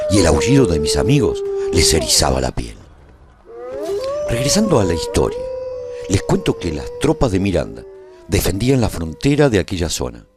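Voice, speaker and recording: A deep, dramatic, battle-weary war leader. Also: male voice, a little mellow, slight background noise. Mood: solemn, menacing, then wistful. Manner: solemn, dramatic storytelling. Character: battle-weary male war leader of wolves, bloodthirsty, lovelorn. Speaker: narrator of a radio serial. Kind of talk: dramatic first-person scripted narration.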